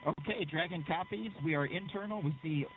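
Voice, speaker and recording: A man's voice: on the high side, a little fast, phone-quality sound. A male astronaut heard over a crackly space-to-ground radio link, giving clipped procedural callouts to mission control.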